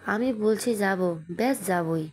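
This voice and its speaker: A woman's voice: mid-range voice, unhurried, darkish tone, close to an everyday voice. A woman voicing a playful, jealous young wife who teases and bosses her husband. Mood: bossy. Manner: playful, teasing, bossy.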